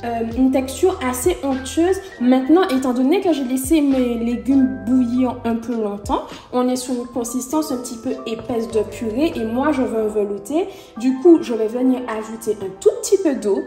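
A young woman with a high, bright voice chats through a home cooking vlog, relaxed and full of little fillers. Her voice rings in an echoey room, with soft music underneath. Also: moderate pace, few pauses. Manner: chatty and relaxed, with frequent fillers and small laughs. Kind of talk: casual cooking commentary. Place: home kitchen.

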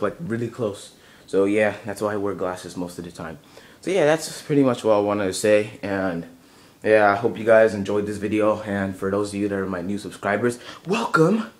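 A young man talking to his camera mic at home in a loose, rambling vlog. His lowish voice is groggy from just waking up, and he stops and restarts often with plenty of ums. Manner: rambling, hesitant, many fillers. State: groggy morning voice, just woke up. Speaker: channel owner. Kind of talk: casual vlog. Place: bedroom at home.

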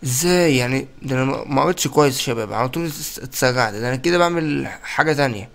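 A young man with an Egyptian Arabic accent giving excitable, chatty let's-play commentary and talking straight to his viewers. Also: mid-range voice, rapid-fire, creaky. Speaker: gaming YouTuber.

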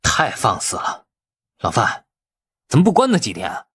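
A man voicing an indignant, excitable police subordinate in an audiobook, protesting and doubtful. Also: medium pitch, normal speed, breathy edge, dry recording, exaggerated voice.

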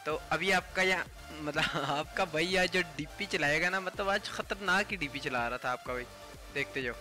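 A man's voice: a little high, normal speed. A man giving casual gameplay commentary in a voice-over. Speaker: gaming video creator. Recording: music bed under voice. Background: background music.

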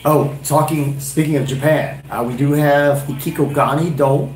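A man's voice: a little high, steady tone, normal speed, echoey room. A man in his forties casually chatting on a live stream, thinking aloud and often restarting his sentences, recorded at table distance in a small wood-paneled room. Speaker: beer reviewer and channel host.

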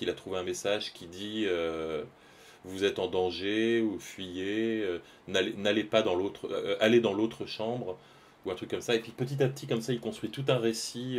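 A man, chatting casually and hesitantly with his stream viewers while he draws live, full of fillers and restarts. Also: fairly low pitch.

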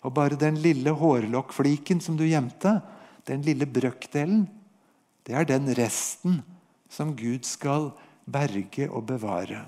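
A man's voice: medium pitch, mellow. A man with a Norwegian accent teaching the Bible on a podcast, retelling a prophet's story in a vivid, storytelling way and voicing God's words.

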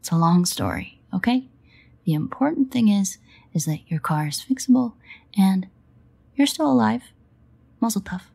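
A woman playing a sardonic, guarded but fond vampire in an intimate audio roleplay, wry and hesitant in manner, with a husky, gravelly voice. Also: medium pitch, animated, normal speed, long pauses, warm tone. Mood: sheepish.

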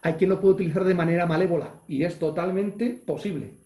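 Spanish-male coach, online webinar, energetic and demonstrative, warm mellow tone, roomy echo over a video call. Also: sits high, a little fast. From Spain. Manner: energetic, acts out gestures and exclamations, reads chat questions aloud. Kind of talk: live online leadership webinar.

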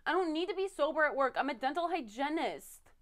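A woman's voice: high-pitched, lively intonation, brisk, fairly bright tone. A woman playing a tipsy, clingy, combative young party girl, whiny and dramatic, in a comedy monologue. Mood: whiny, indignant.

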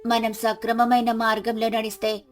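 A woman's voice: fairly high pitch, completely flat delivery, moderate pace, close to an everyday voice. A woman voicing a village wife in a moral story. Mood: earnest. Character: lazy village wife turning earnest and hardworking. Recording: music behind the voice.

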